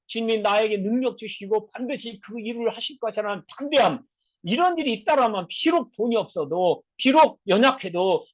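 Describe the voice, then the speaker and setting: A male missionary preacher giving a sermon, telling a personal story emotionally and swinging between soft and loud delivery. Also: sits high, no echo. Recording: dull lo-fi dry recording.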